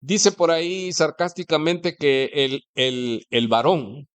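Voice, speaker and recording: Mexican preacher with a fairly high voice. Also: male voice, steady tone, slow pace, smooth. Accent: Mexican Spanish. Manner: conversational, poses rhetorical questions to the congregation. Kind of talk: sermon. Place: church.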